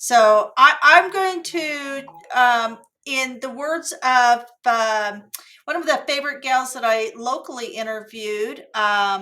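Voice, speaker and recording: A woman with high pitch and a bright, sharp tone projects her raised voice at a very slow pace. Her intonation is lively. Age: 50s. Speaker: podcast host. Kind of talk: interview.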